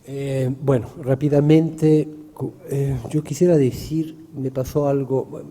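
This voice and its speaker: A man's voice: medium pitch, level tone, slow pace, mellow. A man whose first language is Italian, speaking at a round-table discussion in a hesitant, reflective way with many restarts. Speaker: panelist poet. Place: large historic hall. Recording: reverberant hall.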